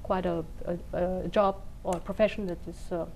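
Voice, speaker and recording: A woman's voice: on the low side, steady tone, normal speed, vocal fry, darkish tone, a little hiss or hum, low-quality recording. A woman from Venezuela speaking as a geologist on a panel, hesitant and full of fillers. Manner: hesitant, many fillers and restarts. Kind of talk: panel discussion.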